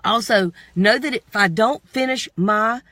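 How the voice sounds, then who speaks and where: Motivational lady preaching right at you, repeats stuff for effect, sharp voice, really dry close sound. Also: a little high, measured pace, no echo. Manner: direct address with rhetorical questions. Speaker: motivational speaker. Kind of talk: motivational talk.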